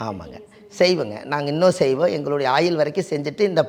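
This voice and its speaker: Lively intonation and vocal fry mark this man's speech. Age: 40s. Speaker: astrologer. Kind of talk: interview, explaining remedies.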